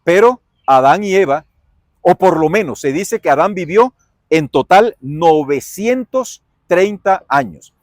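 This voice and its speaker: High-voiced Colombian man preaching a Bible lesson. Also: dry recording, studio quality. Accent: Colombian Spanish. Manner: folksy, animated, asks and answers his own questions. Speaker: pastor teaching Bible study.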